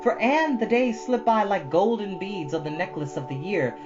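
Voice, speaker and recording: A woman's voice: medium pitch, expressive, moderate pace, dull audio, music in the background. A woman reading a children's book aloud as storyteller, with dramatic emphasis and informal, chatty asides.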